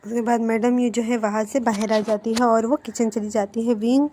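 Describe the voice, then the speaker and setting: A woman retells a story casually and chattily, pausing often on fillers. Her voice sits fairly high but sounds warm and mellow. The delivery is relaxed, like talking to regular viewers. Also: slight background noise.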